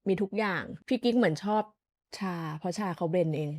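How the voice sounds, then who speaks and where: A woman co-hosting a podcast, casually and eagerly piling on quick details. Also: medium pitch, a little mellow, no echo, studio quality. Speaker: podcast co-host. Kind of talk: casual chat.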